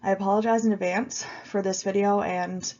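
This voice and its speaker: A woman with a head cold talks through a recorded lecture, her voice a little sniffly. She explains in a relaxed, informal way, filling pauses with ums and restarting phrases. The audio is slightly dull and lo-fi, as if from a computer microphone. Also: mid-range voice. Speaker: university lecturer.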